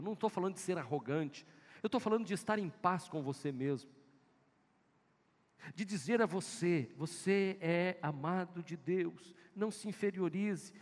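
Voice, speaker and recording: A man's voice: high voice, darkish tone. A male pastor with a Northeastern Brazilian accent, preaching an emphatic sermon full of repeated exhortations in a church. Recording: echoey church hall.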